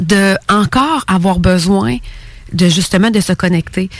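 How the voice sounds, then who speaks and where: A woman speaks in a Quebec accent at a medium pitch with lively intonation. The sound is dry and close, with no echo. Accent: Québécois French. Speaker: radio host. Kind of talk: radio talk show interview. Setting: radio studio.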